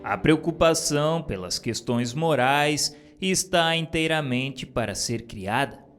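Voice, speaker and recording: A man reads in a slow, unhurried cadence, his voice sitting a touch higher than most men's. His delivery is solemn and deliberate, each phrase weighed, with soft instrumental music far in the background. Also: expressive, clear, resonant tone. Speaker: reader of a spiritist book. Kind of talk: scripted solemn reading.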